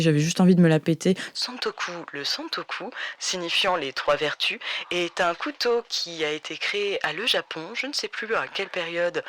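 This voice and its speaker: A woman's voice: low-pitched, fairly bright tone. A woman game master improvising narration for a sci-fi audio role-playing game in an informal, playful, slangy way.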